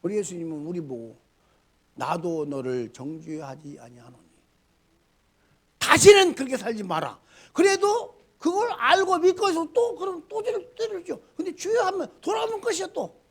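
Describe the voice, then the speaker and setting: A middle-aged male pastor preaching a sermon in a colloquial style, with loud outbursts, low mutters and rhetorical questions to the congregation. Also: big pitch swings, a little fast.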